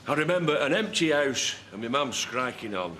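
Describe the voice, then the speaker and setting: An actor with a Yorkshire accent playing a weary, bitter older father who speaks bluntly and gruffly. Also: medium pitch, big pitch swings, normal speed, pushed and bright. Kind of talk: TV soap drama acting.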